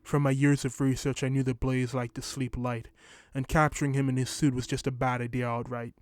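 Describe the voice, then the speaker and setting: A man reading a short story in scripted first-person narration, telling it at a steady, even pace. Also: mid-range voice, brisk, no room sound.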